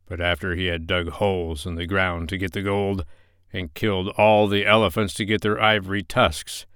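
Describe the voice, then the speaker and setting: A man's voice: low-pitched, fairly bright tone, clear, resonant tone, no room sound, clean studio sound. A man voicing an indignant, imperious king in a children's storybook, giving stern commands.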